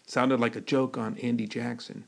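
A man narrating a spoken story in the first person, with measured, vivid storytelling. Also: mid-range voice, level tone, gravelly.

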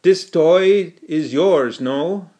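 A man's voice: on the high side, extremely slow, warm tone, pitched above the performer's own voice. A man voicing a pompous foreign lunar army officer in an audiobook, in broken English with odd consonant sounds. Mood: stern, questioning.

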